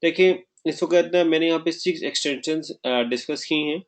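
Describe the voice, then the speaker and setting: Male webinar instructor, raised pitch, conversational and interactive, drops English terms into lessons. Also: normal speed. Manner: interactive, asks the class questions often; mixes English terms into explanations. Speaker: online marketing instructor. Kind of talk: live webinar lecture.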